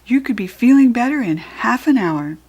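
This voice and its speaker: A kind young fairy speaks earnestly and firmly in a bright, raised voice, as a woman reads her part. Her voice is slightly breathy. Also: a little high, animated, normal speed, lo-fi sound, pitched above the performer's own voice.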